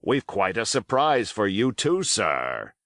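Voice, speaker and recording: A beaming, wheedling old one-legged pirate cook, as a man puts him on, loud and bouncy in his seafaring talk. His voice swings up and down with cheer, and the sound is close and dry. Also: lowish voice, huge pitch swings, slow, dry recording, exaggerated voice. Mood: sly cheerful.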